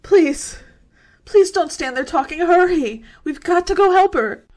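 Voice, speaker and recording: A woman playing a hysterical young college girl in a radio horror drama, gasping out halting, repeated pleas for help. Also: very high voice, animated, darkish tone. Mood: hysterical pleading. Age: young adult. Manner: frantic, gasping, halting and repetitive. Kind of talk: amateur radio horror acting. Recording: noisy home-recorded radio drama.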